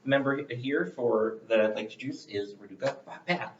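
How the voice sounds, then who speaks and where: A man's voice: mid-range voice, normal speed, very noisy. A man hosting interviews with club members, friendly and wordy, encouraging as he talks. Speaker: interviewer and club area director. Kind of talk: casual interview. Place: club meeting room. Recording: roomy, distant, dull sound.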